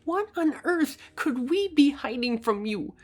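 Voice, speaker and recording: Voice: high voice, expressive, unhurried, voice pushed up. A man reading a story aloud and voicing a scared teenage girl who speaks sternly to hide her fear. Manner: stern, forcing courage. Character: frightened but defiant teenage girl.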